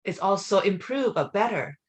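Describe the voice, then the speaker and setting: A woman at an ordinary, middle pitch hosts a relaxed interview. She talks with open enthusiasm and wonder, and leans on "you know" as she gathers her thoughts. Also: normal speed. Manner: frequent "you know" fillers. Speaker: interview host. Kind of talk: casual interview chat.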